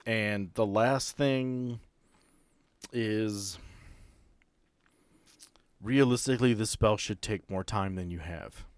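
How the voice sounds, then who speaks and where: A man acting as game master, narrating and explaining a tabletop game in a deliberate, explanatory way. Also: fairly low pitch, clean tone, no room sound.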